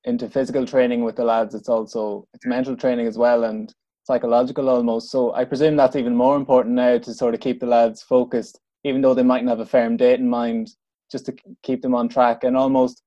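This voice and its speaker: A man hosting a sports interview, asking measured, conversational questions. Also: mid-range voice, level tone, warm tone, highs cut off. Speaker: radio host.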